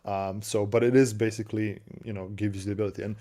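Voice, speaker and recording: Deep, mellow man with a Serbian accent. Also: flat delivery, fast talker. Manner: chatty, laughs often, repeats words while searching for them. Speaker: co-host of a tech stream. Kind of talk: casual tech chat.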